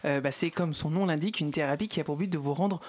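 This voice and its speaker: A man's voice: a little high, fast talker. Man co-host explaining a news topic. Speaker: radio show co-host.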